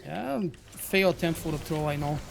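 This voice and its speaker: A man's voice: on the high side, normal speed, creaky, a crowd in the background. A man from Bulgaria with a Bulgarian accent, casually chatting with viewers while streaming a game. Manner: relaxed, rambling, answers chat between fights. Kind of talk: live gameplay commentary, chatting with viewers.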